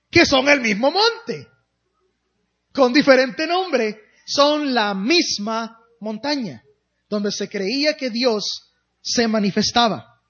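Casting: predicador de tono muy alto, frases largas y dramáticas, audio opaco de baja calidad. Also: male voice, very high-pitched, sharp tone, lo-fi sound. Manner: dramatic, drawn-out phrases and emphatic pauses. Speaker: pastor. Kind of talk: sermon.

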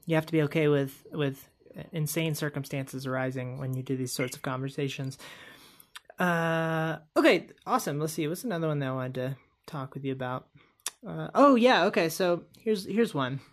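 A woman hosting a casual interview podcast, asking questions and encouraging her guest. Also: sits low. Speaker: podcast host.

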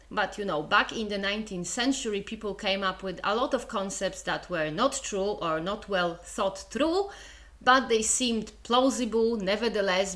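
Polish accent lady doing a solo podcast, chatty and a bit wry, mid pitch. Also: a bit bright. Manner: chatty and wry, with asides and small laughs. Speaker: podcast host.

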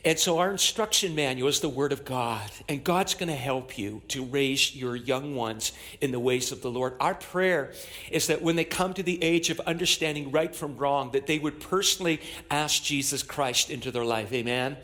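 Here a man with a medium-pitched, fairly bright voice speaks at normal speed as the pastor of a church service. Standing on the platform, he addresses the congregation in sermon and prayer, using a declamatory, repetitive rhythm dotted with amens.

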